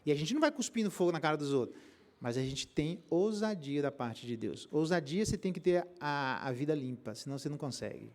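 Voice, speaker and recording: A middle-aged Brazilian pastor preaching a Bible exposition, telling stories with colloquial slang and rhetorical questions. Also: male voice, on the high side, animated, fairly quick, a little mellow. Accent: Brazilian Portuguese.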